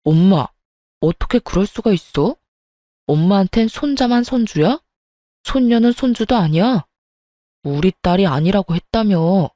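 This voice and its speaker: A woman's voice: mid-range voice, animated, measured pace, mellow, no room sound, studio quality. A woman voicing a blunt, middle-aged husband who demands answers in a reproachful way. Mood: angry.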